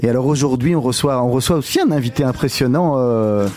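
A man's voice: medium pitch, fast talker, darkish tone, soft background music. A man hosting a radio show in a conversational style, introducing and questioning.

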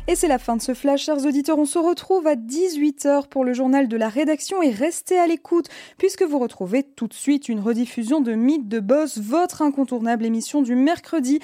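A woman's voice: sits high, a little fast, mellow, dry recording, clean studio sound. A woman reading a scripted radio news bulletin. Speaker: radio newsreader.

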